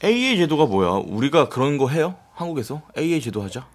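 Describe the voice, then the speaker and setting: A man's voice: a little high, sing-song, fast. A man co-hosting a live radio show, chatting casually and guessing along.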